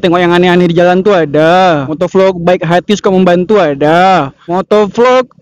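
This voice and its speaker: A young motovlogger with a high, smooth voice jokes and rambles playfully at a moderate pace while riding a motorcycle outdoors, often mocking himself. His helmet mic sounds muffled and picks up wind noise.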